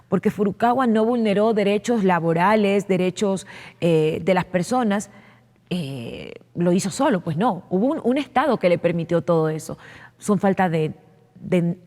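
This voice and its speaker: A woman's voice: medium pitch, a little mellow. A woman lawmaker explaining her views in a televised interview, earnest and full of "eh" fillers and repeated words. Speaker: legislator being interviewed. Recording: long reverb.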